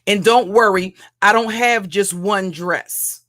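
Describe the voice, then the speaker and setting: Deep-voiced woman with a mocking, profane rant. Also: takes it slowly, fairly bright tone. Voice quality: deep, heavy voice. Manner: mocking, insulting, repeats and restarts phrases. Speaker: livestream commentator.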